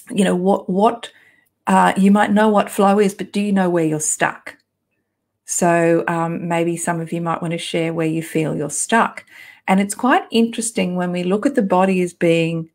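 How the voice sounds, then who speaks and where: A woman's voice: on the low side, gravelly. A woman hosting an informal live talk, speaking in a down-to-earth, encouraging and conversational way. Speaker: workshop host, essential oils guide. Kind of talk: informal live online talk, answering viewer comments.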